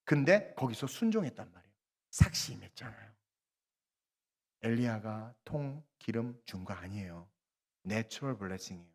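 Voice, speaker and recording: Lively preacher in a reverberant sanctuary. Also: male voice, fairly low pitch, moderate pace, pauses often. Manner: animated, swings between loud bursts and quiet asides, acts out dialogue. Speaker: guest preacher at a revival service. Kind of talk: sermon. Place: church sanctuary. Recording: long church reverb.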